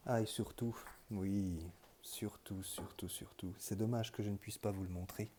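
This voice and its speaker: A man with a very dark, mellow voice talks through his book collection in an improvised vlog monologue. He wanders and hesitates, stacking repeated words before he lands a thought. His tone stays earnest and quietly enthusiastic. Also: on the low side, a little hiss or hum. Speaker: vlogger presenting his books.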